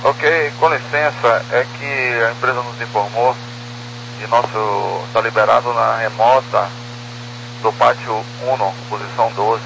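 A man's voice: medium pitch, fairly even intonation, unhurried, vocal fry, noisy background. A man, an airline pilot, speaking over an aviation two-way radio in terse, formal radio phraseology. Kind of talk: air traffic radio exchange.

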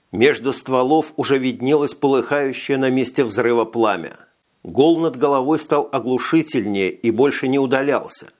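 A man narrating a science fiction audiobook in a steady, measured reading. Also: mid-range voice. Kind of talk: scripted narration.

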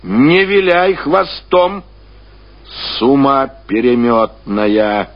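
A man's voice: mid-range voice, drawn-out words. A man voicing an imperious, short-tempered old landowner woman who barks suspicious questions and orders in a radio literary reading. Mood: commanding, angry. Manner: commanding, abrupt, interrogating. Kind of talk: dramatic reading of classic literature. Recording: dull archive radio recording.

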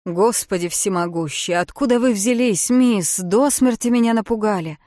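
A woman reading a kindly, flustered male boat-rental owner, talking in loud, excited exclamations. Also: medium pitch, normal speed, no echo, clean studio sound, pitched above the performer's own voice, lightly acted. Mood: alarmed.

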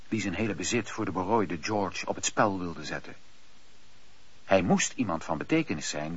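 A man narrating a radio play in a dramatic, scripted storytelling style, with a husky voice. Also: deep voice, a bit bright. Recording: dull, lo-fi radio play recording.

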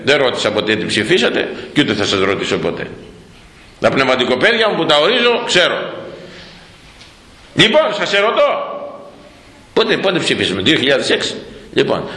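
Animated priest in an echoey church. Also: male voice, fairly high pitch. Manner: animated, rhetorical questions, mocking asides. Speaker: Orthodox priest preaching. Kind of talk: sermon on a Proverbs verse.

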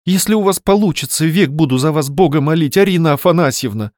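A man's voice: a little high, fairly quick, darkish tone, no echo, clean studio sound, pitched above the performer's own voice, close to an everyday voice. A man voicing a distressed young woman who pleads for help, in a raised, pleading voice.

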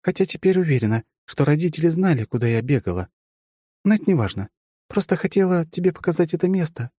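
A fiery, jealous young woman, played by a male narrator in a storybook reading. The voice is pitched very high above his own and quick to flare. It is recorded close and dry. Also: big pitch swings, mellow, slightly rough, no room sound. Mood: tender. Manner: indignant, hot-tempered.

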